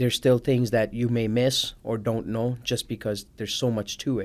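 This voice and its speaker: At a moderate pace, a man speaks at a medium pitch. His intonation is monotone and flat. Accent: Gujarati. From India. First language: Gujarati. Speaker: real estate agent and investor. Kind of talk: interview.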